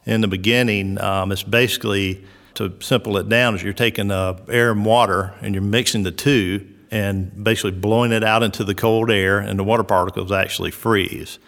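Middle-aged Southern man, low-pitched, easygoing, filler-heavy, heard with long reverb. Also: fairly even intonation, creaky, fairly bright tone. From South Georgia, US. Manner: unhurried, lots of "uh" and "um" fillers. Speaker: resort recreation director. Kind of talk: relaxed interview answers.

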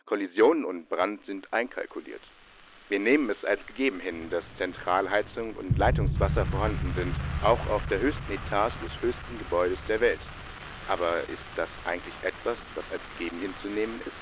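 Guy playing solemn detached narrator in a radio drama, really deep, measured, loud engine rumble behind. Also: natural voice. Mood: reflective. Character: detached, solemn male narrator of a tunnel journey. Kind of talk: slow, scripted literary radio play narration.

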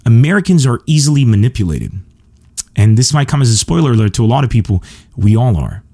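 With a medium-pitched voice that is sing-song, creaky and warm, this man from Lebanon talks at a quick pace. A stand-up comedian, he fields listener questions alone on his podcast, sounding earnest, emphatic and confident.

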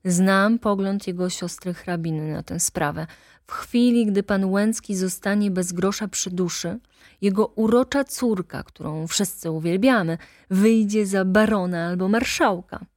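A woman voicing a talkative older male lawyer who speaks in an animated, insistent way. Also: medium pitch, unhurried, no room sound, clean studio sound, lightly acted. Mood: persuasive.

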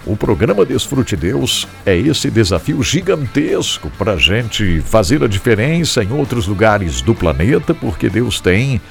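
Low, gravelly Brazilian man hosting live. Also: big pitch swings, unhurried, hardly any pauses. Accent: Brazilian Portuguese. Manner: upbeat, tags questions with "né?". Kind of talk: live devotional broadcast talk. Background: guitar music.

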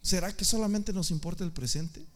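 High-voiced impassioned male preacher. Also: a little fast. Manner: impassioned, repeating words, building to shouts. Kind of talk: sermon.

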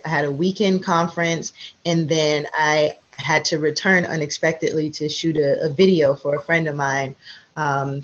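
A woman guest on a podcast, chatty and relaxed, with many fillers and restarts. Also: sits low. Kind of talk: casual interview chat. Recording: slightly dull audio.

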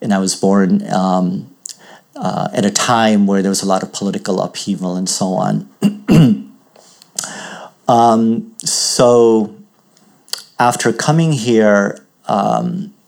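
Fairly low-pitched man from Uganda, spiritual teacher, measured and thoughtful delivery with frequent pauses. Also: animated, creaky, darkish tone. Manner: thoughtful, measured, pausing to find words. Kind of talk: reflective spiritual talk.

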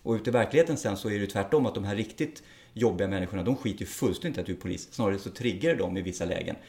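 A man's voice: lowish voice, darkish tone. A middle-aged man, a police officer, speaking frankly and plainly in an interview, with some swearing. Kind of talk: interview conversation.

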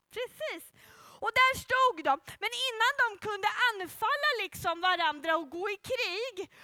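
A woman telling a Bible story to children in a playful, animated way and bringing up child volunteers. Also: very high voice, no room sound. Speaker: children's church leader.

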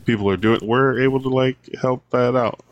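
A man co-hosting a podcast in a relaxed way, summing points up plainly. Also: mid-range voice, moderate pace, highs cut off, noisy background. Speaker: podcast co-host. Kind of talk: casual chat.

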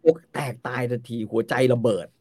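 A man casually retelling an old story, lively and acting out the characters as he goes. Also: a little fast. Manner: lively, acts out the characters' voices. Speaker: podcast storyteller.

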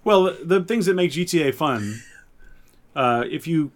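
A man's voice: fairly high pitch, lively intonation, unhurried. A man co-hosting a casual pop-culture podcast, talking like an enthusiastic fan and thinking aloud as he goes. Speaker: podcast co-host.

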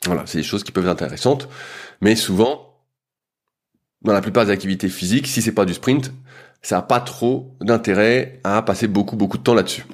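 A man's voice: on the low side, fairly quick. A man, a strength coach, explaining training in a loose, casual way with frequent hesitations and fillers.

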